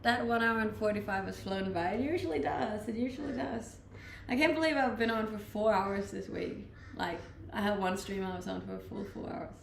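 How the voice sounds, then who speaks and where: Speaking at a normal speed in a medium-pitched voice with vocal fry, a young woman from Denmark chats casually while reading her viewers' comments. Living abroad has mixed her slight Danish accent, and she's laid-back and laughs a lot. The room is echoey, with faint ambient noise.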